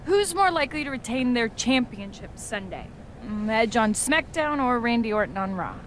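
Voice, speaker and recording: A woman's voice: a little high, animated, moderate pace, fairly bright tone, a little hiss or hum. A woman voicing a smug female wrestling personality in a video game, snippy and dismissive.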